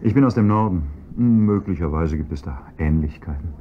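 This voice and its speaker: A smooth, evasive chauffeur. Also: male voice, deep voice, animated, normal speed. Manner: polite, ingratiating, evasive. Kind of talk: radio drama acting. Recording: dull lo-fi recording, faint hiss.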